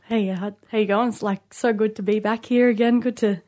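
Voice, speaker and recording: A woman in her late twenties speaks with an Aboriginal Australian English accent. Her voice sits at an average pitch. She talks like a relaxed studio guest in casual conversation, filling her sentences with "like" and "you know". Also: brisk. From Queensland, Australia. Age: late 20s. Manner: informal, with frequent "like" and "you know". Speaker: studio guest, rugby league player. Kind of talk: casual interview chat.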